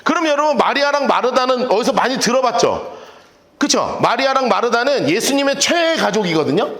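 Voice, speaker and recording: A man preaching a casual, playful sermon as pastor, acting out the people in his stories with quick little voices. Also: very high-pitched, very animated, a bit bright, echoey room. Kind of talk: lively sermon. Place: church sanctuary.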